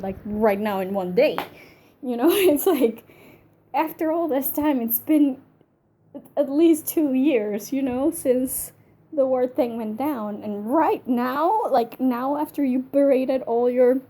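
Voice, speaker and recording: A woman's voice: sits high, mellow. A woman giving a casual video review of a TV episode, talking emotionally in a ranting way with many restarts. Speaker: TV show reviewer.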